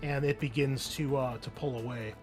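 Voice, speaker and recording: A man's voice: medium pitch, steady tone, normal speed. Man game-mastering over background music. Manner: casual, improvised scene description. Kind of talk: narrating a tabletop roleplaying game.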